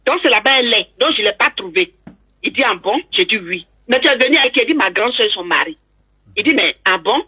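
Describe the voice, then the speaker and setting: A woman's voice: fairly high pitch, expressive, fast, pushed and bright, breathy edge, dull audio. A woman calling in to a talk show, recounting a personal story and acting out both sides of a conversation. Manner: acts out both sides of a dialogue. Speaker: caller.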